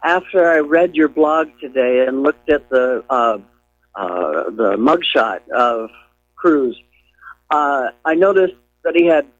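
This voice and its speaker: Male caller, slow and hesitant, slightly high, muffled dry phone line. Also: no room sound. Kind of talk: phoned-in radio call.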